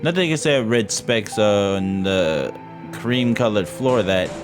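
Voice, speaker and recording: Male streamer, low voice, dramatic horror read-aloud with loose profane asides and stumbles, prominent music bed. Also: lively intonation, slow. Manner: casual, profane, interjecting, stumbles over reading. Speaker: streamer reading a visual novel aloud. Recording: loud music behind voice. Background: game music.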